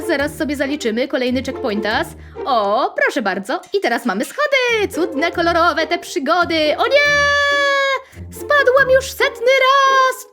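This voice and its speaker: A young woman with a very high, lively voice gives playful commentary on a game. She talks in a bubbly, sing-song way, rhyming as she goes and squealing at mishaps. Game music plays clearly underneath. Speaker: gaming channel host. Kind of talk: playful Roblox let's-play commentary.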